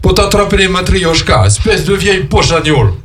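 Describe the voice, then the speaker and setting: A man voicing a grumbling mercenary boss in a comic radio sketch, shouting down a bad phone line in a mock Russian accent. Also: sits high, lively intonation, brisk, music in the background. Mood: angry.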